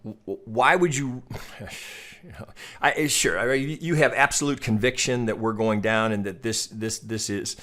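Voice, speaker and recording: A man's voice: fairly low pitch, unhurried, a bit bright. A man giving informal chart commentary as a trading educator, conversational and opinionated, with casual swearing and frequent check-in questions. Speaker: trading educator and market analyst.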